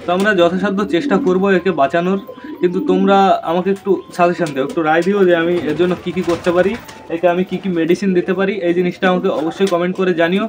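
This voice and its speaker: A man's voice: high voice, flat delivery, quick pace, background noise. A man in a casual vlog, chatting to his viewers about his pet pigeons from a rooftop and coaxing the birds as he goes. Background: pigeons cooing.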